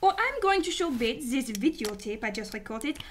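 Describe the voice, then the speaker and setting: A woman's voice: high voice, big pitch swings, moderate pace, slight background noise. A woman playing a cheeky, scheming detective's assistant in a sci-fi radio drama, with a sarcastic, teasing manner. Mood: sly, teasing.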